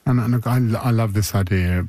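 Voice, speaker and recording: Male host, low voice, mellow tone, dry sound, conversational questions. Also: no echo. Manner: conversational, reflective, halting restarts. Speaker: interviewer host. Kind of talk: interview.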